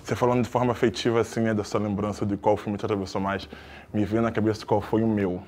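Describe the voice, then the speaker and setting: A man co-hosts a panel and talks quickly in a loose, chatty way. His voice sits fairly low. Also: flat delivery, a little mellow. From Rio de Janeiro, Brazil. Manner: rapid, loose and conversational. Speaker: actor and co-host. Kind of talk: casual panel talk.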